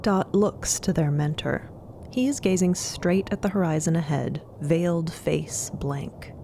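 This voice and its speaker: A woman narrating scripted audio fiction in a deliberate, descriptive, dramatic style. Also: low voice, creaky, warm tone, slight background noise.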